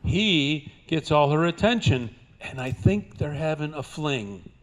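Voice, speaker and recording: An older man with a folksy cowboy twang, performing as a cowboy poet for a live audience, with drawn-out dramatic phrasing. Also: fairly high pitch, expressive. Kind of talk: live cowboy poetry recital with folksy banter. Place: live before an audience at a senior center.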